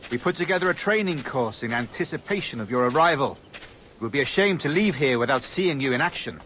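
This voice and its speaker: An actor playing a hearty older officer, brisk and encouraging, in a video game. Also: male voice, medium pitch, expressive, a bit bright, a little hiss or hum, natural voice. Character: older English officer, hearty weapons enthusiast.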